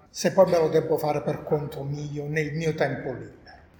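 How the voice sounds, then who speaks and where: Amid noticeable background noise and audible room echo, a man speaks with a fairly high pitch. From Naples, Italy. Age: old. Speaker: lecturer on reading promotion. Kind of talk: lecture. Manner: hesitant, with filler words.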